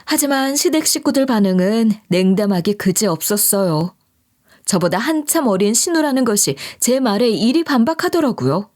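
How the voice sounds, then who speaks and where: Brief: woman storyteller, scripted first-person narration, lively rise and fall. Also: a little high, moderate pace. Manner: expressive, conversational storytelling.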